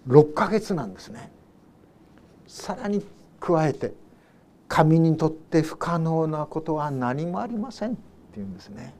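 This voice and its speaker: A male pastor giving a Sunday sermon, reading Bible verses and explaining them in an unhurried way with soft asides. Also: fairly high pitch, big pitch swings. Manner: reads scripture verses aloud and then paraphrases them. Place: church service.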